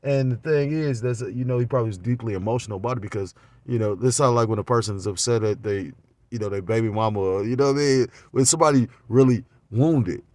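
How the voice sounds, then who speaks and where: A man giving an informal religious lesson on a phone, talking loosely with many fillers and getting louder and more animated as he goes. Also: medium pitch, fast talker, dry recording. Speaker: religious teacher.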